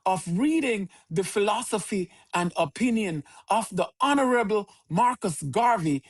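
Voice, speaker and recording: A man, a podcast guest who speaks in a measured, preaching cadence with repeated phrases. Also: high-pitched, lively intonation, slightly rough. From Jamaica. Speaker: podcast guest, organization leader. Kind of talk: earnest conversational interview answers.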